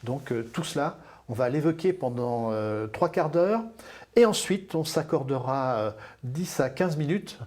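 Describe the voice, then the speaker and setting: A man hosts a live panel discussion, welcoming guests and laying out the plan in a friendly, chatty way. His voice carries a light husky grain at a middle pitch, and he pauses often to find his words. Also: lively intonation, darkish tone. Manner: friendly, chatty introductions with frequent hesitations. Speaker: panel moderator. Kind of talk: moderating a live panel webinar.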